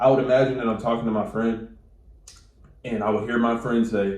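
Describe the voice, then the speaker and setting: In a room with audible echo, a man talks at a fairly quick pace in an animated tone, his medium pitch showing ordinary variation. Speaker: manifestation coach. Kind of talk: casual tutorial. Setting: at home, noisy upstairs neighbors. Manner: casual, animated.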